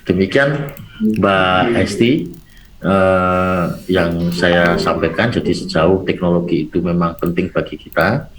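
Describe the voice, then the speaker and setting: A man speaking as a webinar presenter in a halting way, with many fillers and restarts. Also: sits low, a little hiss or hum, poor audio. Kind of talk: online lecture.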